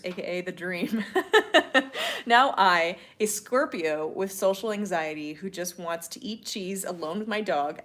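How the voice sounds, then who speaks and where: A podcast co-host with a medium-pitched, slightly bright voice answers listener questions on a casual, slightly tipsy Q&A stream. She's chatty and playful, with lots of fillers.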